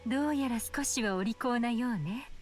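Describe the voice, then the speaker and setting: A woman's voice: fairly high pitch, fast talker, darkish tone, faint music behind, natural voice. An actress playing a commanding, coolly mocking young woman in a game, with a condescending manner. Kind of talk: Japanese game character acting.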